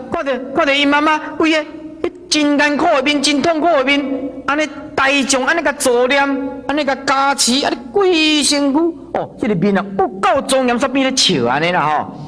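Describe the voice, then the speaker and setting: A Buddhist monk with a Taiwanese accent giving a storytelling sermon, often clearing his throat and slowly repeating phrases for emphasis. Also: extremely high pitch, expressive, pushed and bright.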